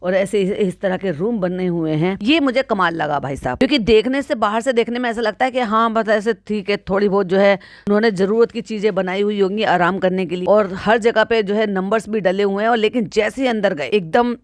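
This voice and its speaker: A woman's voice: medium pitch, brisk, dry recording, studio quality. Sarcastic woman reaction vlogger. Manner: teasing and sarcastic, with frequent laughs. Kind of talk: mocking reaction commentary.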